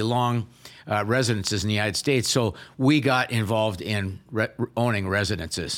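A man speaks at a fairly slow pace with ordinary pitch variation. The recording is very clean, with a silent background. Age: 60s. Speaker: investment firm chairman and chief investment officer. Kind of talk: casual chat about books. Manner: halting, repeats words.

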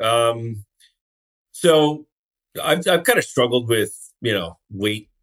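A man's medium-pitched voice with a Canadian accent, at a fairly slow pace. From Ontario, Canada. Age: 50s. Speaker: program member sharing weight-loss story. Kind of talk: interview testimony. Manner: halting, many fillers.

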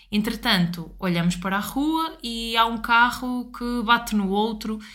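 A somewhat breathy woman with a European Portuguese accent, ordinary pitch variation and audible room echo. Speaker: communication coach, podcast host. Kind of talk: solo podcast monologue. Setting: studio.

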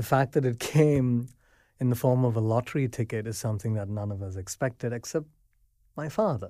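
A man speaks at a medium pitch with ordinary pitch variation and a fairly quick pace. His tone is dark and mellow, and the recording is very clean over a silent background. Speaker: author and university lecturer. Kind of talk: interview. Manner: reflective, with hesitations.

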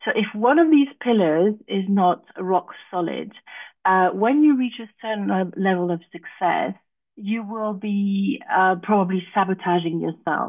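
A woman at a medium pitch, fairly slow pace and ordinary pitch variation, a normal speaking voice. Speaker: host promoting quiz and explaining intuition. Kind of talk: podcast segment, explanatory.

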